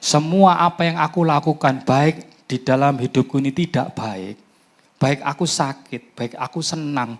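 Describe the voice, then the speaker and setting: Older East Javanese pastor, pleading then hushed. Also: male voice, fairly high pitch, a little slow. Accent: Indonesian, East Javanese. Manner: swings between loud pleading and near whispers. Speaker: guest preacher. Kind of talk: emotional sermon with spoken prayer. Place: church hall.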